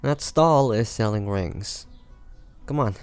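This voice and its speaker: A man playing a roguish, protective pirate captain in a scripted audio roleplay, talking teasingly and intimately to the listener in a gravelly voice. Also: fairly low pitch, lively intonation, slow pace, a little mellow, soft background music. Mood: teasing, indulgent. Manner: teasing, smooth-talking, intimate pet names. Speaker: voice actor.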